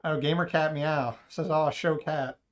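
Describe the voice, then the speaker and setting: A man's voice: fairly high pitch, steady tone, unhurried, a little hiss or hum. A man hosting a casual livestream, joking and rambling to his chat. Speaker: livestream host.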